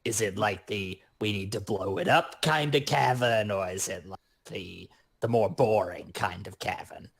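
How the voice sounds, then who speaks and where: Man playing a goblin demolitionist, husky rasp, medium pitch, crazy, reckless, flippant, chatty, tabletop roleplay character. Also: a little slow, heavily acted. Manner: flippant, chatty, mock-fussy about explosions.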